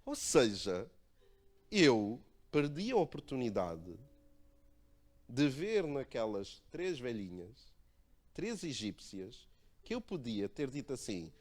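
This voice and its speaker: A male pastor with a European Portuguese accent preaches in a relaxed, conversational way at a mid-range pitch. He tells stories with animation, chuckling at himself and playing out each exchange. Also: takes it slowly, long pauses. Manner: animated storyteller, laughs at himself, acts out dialogue. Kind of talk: conversational sermon with a personal story. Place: church.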